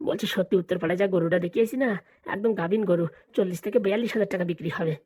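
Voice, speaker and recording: A woman's voice: on the low side, mellow, lightly acted. A woman voicing a scheming, money-hungry village father in a comedy cartoon, scolding and bantering. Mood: scheming, pleased. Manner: rapid, colloquial, bantering scolding.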